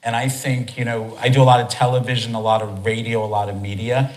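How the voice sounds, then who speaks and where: An American man hosting a live talk in a conference hall, chatty and energetic, with many restarts. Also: medium pitch, fast. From United States. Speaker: event host and speaker.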